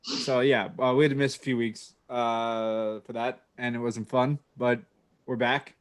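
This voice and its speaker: A man hosting a podcast in casual chat, with a dry, deadpan humor. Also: mid-range voice, unhurried, clear, resonant tone. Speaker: podcast host.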